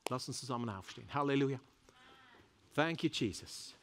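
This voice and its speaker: A Swiss-accented man preaches a sermon in a church service. He builds fervently to loud, ringing calls and then lets each phrase fall away quietly. English phrases slip into his talk now and then. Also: mid-range voice, normal speed, slight background noise. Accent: Swiss German. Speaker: pastor.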